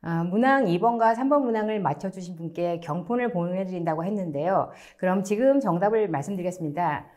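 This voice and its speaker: A woman's voice: lowish voice, a little fast, few pauses, a little mellow. A woman hosting a webinar, reading scripted announcements in a polite, formal presenter manner. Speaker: webinar host.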